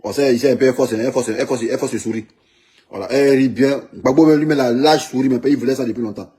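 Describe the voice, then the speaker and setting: A man, commenting on politics in an animated, rambling way, with many repetitions and stumbling restarts. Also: medium pitch, fast talker. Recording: echoey room.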